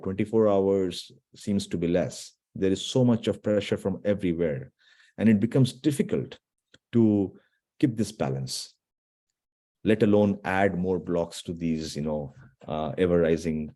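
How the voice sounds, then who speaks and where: Low, mellow-voiced man giving an online talk. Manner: earnest, repeats and restarts phrases, checks in with listeners. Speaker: guest speaker. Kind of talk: online motivational talk to students.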